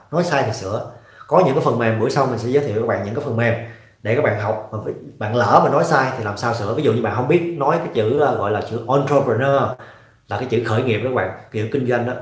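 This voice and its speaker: A man with a Southern Vietnamese accent speaks quickly in a motivational talk, coaching viewers on learning English. He is emphatic and repeats phrases to drive each point home. The recording is echoey, as if made in a bare room. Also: mid-range voice.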